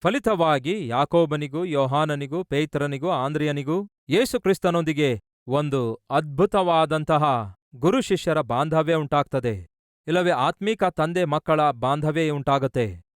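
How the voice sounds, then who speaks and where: Male pastor preaching, smooth and resonant, dry close-mic sound, asks and answers his own questions. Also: fairly high pitch, a little slow, no room sound. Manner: asks the listeners questions and answers them himself; builds long lists of repeated phrases. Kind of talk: sermon.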